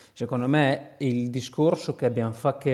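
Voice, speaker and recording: The man talks at a very slow pace. His tone is dark and mellow. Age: 30s. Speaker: live stream caller. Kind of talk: casual discussion. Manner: halting.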